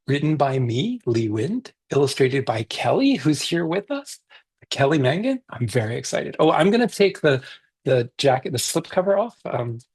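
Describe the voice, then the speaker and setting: Husky man reading a picture book. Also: mid-range voice. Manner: lively, expressive storytelling. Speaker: children's book author. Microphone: video call.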